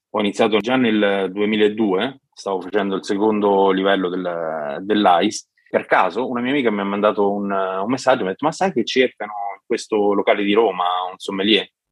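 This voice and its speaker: At a moderate pace, a man talks with fairly even intonation and big swings in loudness. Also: fairly low pitch for a man. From Rome, Italy. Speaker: wine importer and distributor. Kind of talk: interview.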